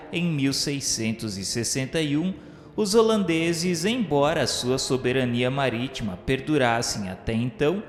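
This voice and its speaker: Medium in pitch, this Brazilian narrator declaims solemn scripted lines for a radio drama in a formal style. The recording has slight background noise, music beneath him, and an echoey, reverberant hall sound.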